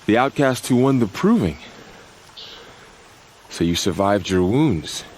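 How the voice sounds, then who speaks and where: A man playing a proud, gruff tribal warrior in a video game, sighing and grumbling with weary pride. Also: fairly low pitch, lively intonation, slow, a little mellow, a little hiss or hum. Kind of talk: video game cutscene acting.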